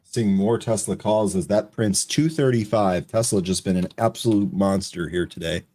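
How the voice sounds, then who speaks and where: A man co-hosting a live trading show, calling out tickers and chart levels in brisk, quick succession. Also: lowish voice, mellow. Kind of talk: live market commentary.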